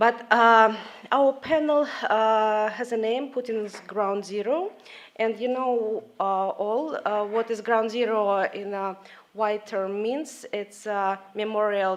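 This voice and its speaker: A woman speaks with a Russian accent at a fairly high pitch. Her pace is very slow and her pitch variation ordinary. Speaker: investigative journalist. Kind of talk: conference panel talk. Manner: halting, many fillers.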